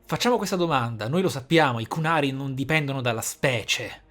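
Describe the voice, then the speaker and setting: A man's voice: mid-range voice, expressive, quick pace, a bit bright. Italian male streamer, casual and exclamatory game commentary, music underneath. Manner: reactive, exclamatory asides. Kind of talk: casual Let's Play commentary. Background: video game music and dialogue.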